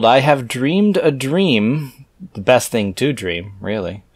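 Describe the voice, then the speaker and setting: A man reading aloud casually, breaking off into halting, musing, skeptical and irreverent commentary. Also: medium pitch, dry recording.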